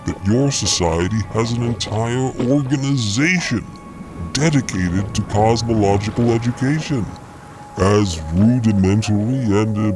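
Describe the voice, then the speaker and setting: A man voicing a grave, zealous frog-like alien intellectual in an audio drama, speaking in lofty, measured, persuasive phrases. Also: fairly low pitch.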